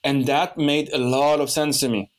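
Young male podcast host from Lebanon, casual and meandering, mid pitch. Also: level tone, normal speed. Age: young adult. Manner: rambling, many restarts and fillers. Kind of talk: casual conversation.

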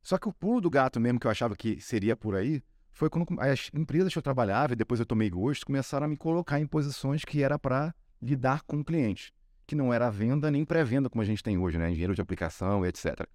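A sales executive from Rio de Janeiro, Brazil, with a Carioca Brazilian Portuguese accent, tells his career story as a podcast guest. He talks fast and animatedly in a medium-pitched, darkish voice, chatty and often tacking on questions, in a dry, studio-quality casual interview.

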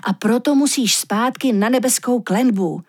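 A woman voicing an anxious male magic reindeer who talks in a slangy, pleading way, with a husky voice. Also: fairly high pitch, darkish tone. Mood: urgent, pleading.

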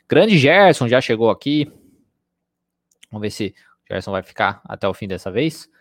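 A man's voice: mid-range voice, dry recording, clean studio sound. A man with a Brazilian accent, a psychologist giving a conversational live-streamed lecture, often dropping in tag questions. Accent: Brazilian Portuguese. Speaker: psychologist teaching a live class.

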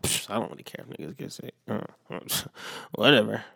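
Gravelly man, rambling podcast chat. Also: on the low side, a little fast, pushed and bright, dry recording. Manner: rambling and candid, with frequent fillers and swearing. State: voice not fully recovered from illness. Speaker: podcast host. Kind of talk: casual solo podcast chat.

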